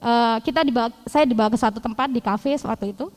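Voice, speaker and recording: A woman's voice: fairly high pitch, quick pace, darkish tone, big-room sound, rough recording. A woman preaching a testimony sermon in a casual storytelling way, acting out the dialogue she recounts. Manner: conversational storytelling, acts out quoted dialogue. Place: church hall.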